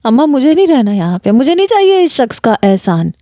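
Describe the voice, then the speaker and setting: A woman's voice: sits high, sing-song, warm tone, dry recording, clean studio sound, voice pushed up. A woman reading a story aloud and voicing a hot-tempered young woman who scolds with a raised voice. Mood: defiant.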